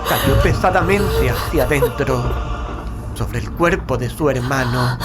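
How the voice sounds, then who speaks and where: Male narrator, mid pitch. Solemn, theatrical gothic horror storytelling over a prominent score. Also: expressive. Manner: solemn, theatrical, deliberate phrasing. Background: loud dramatic music bed.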